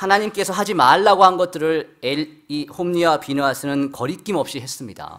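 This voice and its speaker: Against a quiet background, a man with a high pitch talks at a moderate pace with hardly any pauses, ordinary pitch variation and big swings in loudness. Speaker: pastor. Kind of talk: sermon. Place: church. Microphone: handheld.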